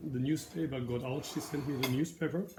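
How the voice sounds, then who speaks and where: A man at a moderate pace, amid noticeable background noise. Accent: German. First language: German. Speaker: Zen teacher. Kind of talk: dharma talk.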